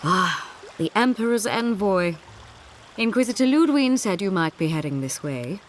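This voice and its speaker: A woman playing a formal, measured and coolly menacing military captain in a video game. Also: mid-range voice, animated, a little hiss or hum, close to an everyday voice. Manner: formal, measured, veiled threat. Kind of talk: video game character acting.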